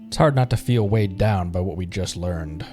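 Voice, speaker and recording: Over game music, a streamer with a low, slightly mellow voice chats casually at a moderate pace. He reads dialogue aloud playfully, throwing in silly sound words and stumbling as he reads.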